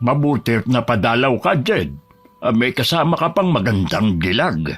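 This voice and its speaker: Doing a put-on character voice over faint background music, a man at a medium pitch makes very wide pitch swings while his loudness stays very even. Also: moderate pace. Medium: read story.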